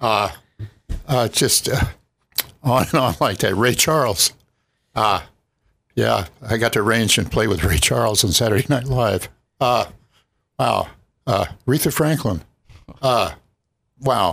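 On a very clean recording with a silent background, a man with an American accent speaks at a fairly slow pace with long, frequent pauses, lively intonation, vocal fry and very even loudness. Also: medium pitch for a man. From South Mississippi, US South. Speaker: jazz musician. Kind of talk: interview. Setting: studio.

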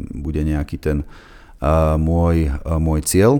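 With a dark, mellow tone and very deep, low pitch, a man speaks at a moderate pace. The recording is very clean, and the background is silent. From western Slovakia, near Senec. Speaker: geneticist. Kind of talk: interview. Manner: hesitant, many fillers.

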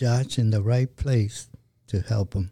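Somewhat breathy, with a dark, mellow tone, a man speaks at a medium pitch and a fairly slow pace with fairly even intonation. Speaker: podcaster. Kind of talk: casual chat.

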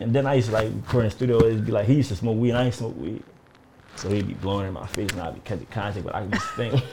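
There is noticeable background noise as a man talks very fast at a medium pitch with ordinary pitch variation. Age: 20s. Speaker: rapper. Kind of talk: casual chat.

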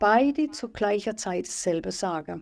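A woman speaks in an ordinary speaking voice at a medium pitch and fairly slow pace, with lively intonation. The recording is very clean, with a silent background. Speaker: meditation community member. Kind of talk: personal testimony interview.

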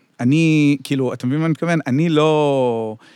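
A man talks at a moderate pace with a fairly high pitch and fairly even intonation. The sound is dry and close, with no echo. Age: 40s. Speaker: political activist and author. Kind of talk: long-form interview conversation. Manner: hesitant, many fillers and restarts.

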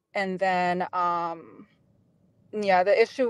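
A woman talks with a medium pitch. The sound is dry and close, with no echo. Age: 30s. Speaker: caller, dental professional. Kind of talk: call-in advice question. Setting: phone call. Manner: hesitant, many fillers.

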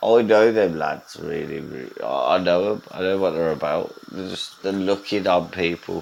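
Speaking at a moderate pace with hardly any pauses, the voice carries a British accent over noticeable background noise. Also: man. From England. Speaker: regular show participant. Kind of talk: casual chat. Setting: remote call.

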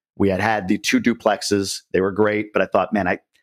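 Recorded very cleanly with a silent background and a dry, close sound with no echo, a man with an American accent speaks fairly quickly at a fairly low pitch in an ordinary speaking voice. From New York. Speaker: real estate investor. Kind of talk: interview.

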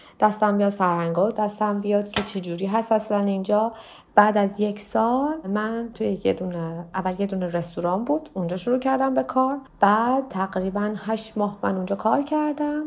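A woman speaks in a plain, everyday voice at medium pitch and a moderate pace, with ordinary pitch variation and hardly any pauses. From Iran, Tehran. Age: 30s. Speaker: immigrant interviewee. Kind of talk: interview.

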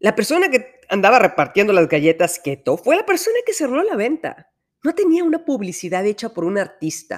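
A woman speaks with a fairly high pitch at a moderate pace. Her pitch swings very widely. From Mexico, Monterrey. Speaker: podcast host, entrepreneur. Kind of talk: scripted narration.

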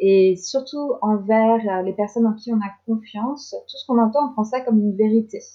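A woman speaks with a fairly high pitch and a somewhat breathy voice, her intonation fairly even and her loudness swinging widely, with hardly any pauses. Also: moderate pace. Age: 40s. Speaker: theta healing practitioner. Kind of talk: casual interview chat.

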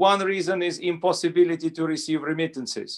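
A man talks at a fairly slow pace with a high pitch and ordinary pitch variation. The background is quiet. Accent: Russian. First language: Russian. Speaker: think tank researcher. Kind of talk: panel remarks. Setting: video call.

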